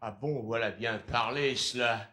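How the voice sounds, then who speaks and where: An actor playing a suspicious, grasping old miser in a classical stage comedy, with slow, emphatic delivery. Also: male voice, mid-range voice, bright, forceful tone. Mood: approving. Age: older.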